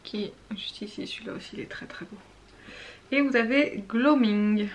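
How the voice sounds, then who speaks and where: A woman's voice: mid-range voice, moderate pace. A woman chatting casually as she swatches makeup, gushing and sometimes dropping to a whisper. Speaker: beauty vlogger.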